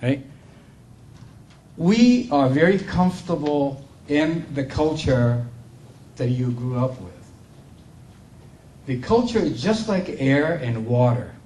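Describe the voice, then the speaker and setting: An older Japanese man, a luncheon guest speaker, gives a heartfelt business talk in accented English, often laughing and asking the room "okay?" and "right?". His mellow mid-range voice has lively intonation and a slow pace with frequent pauses, and the audio is poor with a little hiss or hum.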